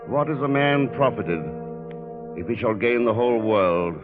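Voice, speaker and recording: An actor playing a self-assured, dry-witted investigator, terse and composed in 1940s radio style. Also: male voice, mid-range voice, expressive, moderate pace, over music, natural voice. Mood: solemn. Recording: dull old-time radio recording.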